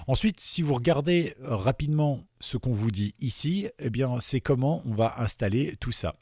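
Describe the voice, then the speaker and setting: A man walking viewers through a software installation in a casual, chatty way, often checking in with "d'accord?". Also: mid-range voice, animated, normal speed, breathy edge, dry recording, studio quality. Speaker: webradio software tutor. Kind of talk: screen-recorded software tutorial.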